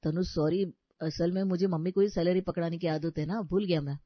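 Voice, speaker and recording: A man's voice: high voice, fairly even intonation, brisk, no echo. A man voicing a mild, apologetic young husband in a cartoon story, trying to keep the peace. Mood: placating. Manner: apologetic and placating. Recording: dry, slightly dull audio.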